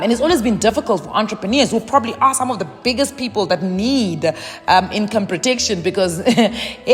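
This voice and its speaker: A woman's voice: mid-range voice, big-room sound. A woman, giving casual money advice in a chatty way with lots of "um"s and repeated words. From South Africa. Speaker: personal finance YouTuber.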